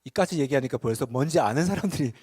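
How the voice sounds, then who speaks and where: A man's voice: medium pitch, animated, fast, a little mellow, breathy edge. A middle-aged male pastor preaching a sermon, firing rhetorical questions at the congregation and acting out the voices in his stories.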